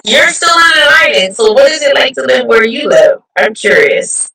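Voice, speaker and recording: A woman from Hawaii hosting a chatty live interview, bubbly and quick to laugh, on her phone. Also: a little high, sing-song, vocal fry, sharp tone. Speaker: show host. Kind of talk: casual live-stream interview. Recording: distant phone mic.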